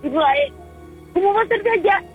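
A woman's voice: extremely high pitch, sing-song, normal speed, faint music behind. A tearful woman, a mother on the phone, pleading anxiously and repeating herself. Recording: tinny phone line.

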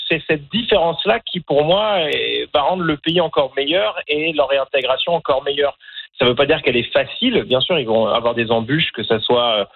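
Man, French accent from France, filmmaker guest, slightly high voice, phone-line quality. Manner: thoughtful, hesitant, many fillers. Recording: tinny phone-line sound.

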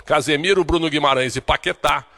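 A man giving a recorded sports report from abroad in a brisk, fluent reporting tone. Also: a little high, sharp tone.

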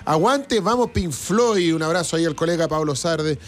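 A man's voice: fairly high pitch, expressive, normal speed, slight background noise. A Chilean man co-hosting a live music stream, chatting casually and reading viewer comments aloud. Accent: Chilean Spanish.

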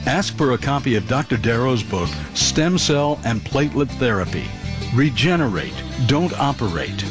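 A man's voice: medium pitch, very animated, moderate pace. A man reading a polished, scripted introduction for a radio program. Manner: polished promotional read. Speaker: show announcer. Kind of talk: scripted announcement over music. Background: guitar music.

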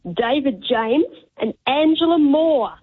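High husky woman on a phone line. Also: animated, takes it slowly. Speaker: caller to a radio show. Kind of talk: casual reminiscing. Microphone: telephone. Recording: thin narrow phone line.

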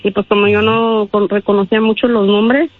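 A woman's voice: mid-range voice, level tone, moderate pace, no room sound. A woman from Guanajuato calling a radio show, speaking modestly and hesitantly. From Guanajuato, Mexico. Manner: modest, hesitant, many "pues". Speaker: caller. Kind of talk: phone call-in on radio. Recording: tinny phone line, dry.

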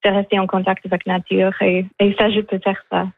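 A woman's voice: medium pitch, completely flat delivery, brisk, vocal fry, no room sound. Earnest young woman on a tinny phone line. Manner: earnest, hesitant, frequent restarts. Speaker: educator at a botanical garden. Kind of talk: casual interview answers.

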